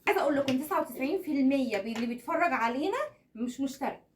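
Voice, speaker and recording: An Egyptian woman hosts a family unboxing vlog in a high, bright voice, words tumbling out at great speed. She chats freely and laughs often as she talks to viewers. The sound carries a roomy echo. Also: lively intonation, very fast, slight background noise. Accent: Egyptian Arabic. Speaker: family channel host. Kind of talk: casual unboxing chat.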